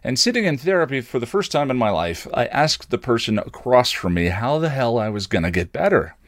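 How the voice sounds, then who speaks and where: A middle-aged man hosting an online show, speaking in a candid, halting, thoughtful personal monologue. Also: mid-range voice, sing-song, no echo, studio quality.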